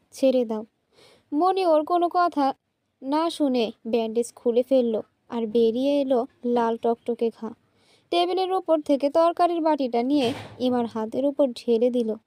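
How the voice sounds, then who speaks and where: Woman storyteller, emotive scripted narration; high and mellow.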